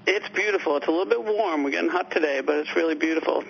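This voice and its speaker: Gravelly, slightly high male caller from Cape Cod, hesitant, lo-fi line with faint hiss. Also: rapid-fire. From Cape Cod, Massachusetts. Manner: hesitant, with fillers and restarts. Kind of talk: call-in question. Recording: dull lo-fi call-in audio, faint noise.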